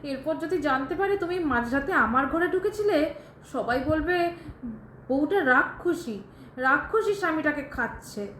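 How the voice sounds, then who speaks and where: A woman's voice: high-pitched, expressive, unhurried, fairly bright tone. A woman playing an anxious, dutiful young wife in an audio drama, emotional and imploring, in an echoey room. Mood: fearful pleading. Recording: echoey room, faint background noise.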